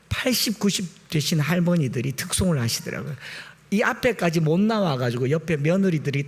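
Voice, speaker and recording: A man preaching from the pulpit with a high, lively voice that climbs and falls all through his sentences. He moves between booming exhortations and soft, confiding asides to his congregation. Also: creaky. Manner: animated, switches between booming exclamations and quiet asides. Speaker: pastor. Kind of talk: sermon.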